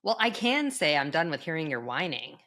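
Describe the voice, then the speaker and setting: A woman's voice: sits low, big pitch swings, a little fast, bright, forceful tone. A middle-aged woman as a podcast guest in casual chat, talking in a chatty way with many fillers.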